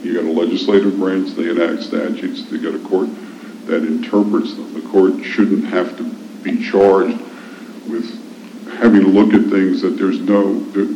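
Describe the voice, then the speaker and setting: A man's voice: low-pitched, little pitch movement, normal speed, warm tone. An American man arguing as a lawyer in court, insistent and repeating his points for emphasis. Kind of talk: courtroom oral argument. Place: indoor courtroom. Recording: echoey, muffled courtroom recording, faint noise.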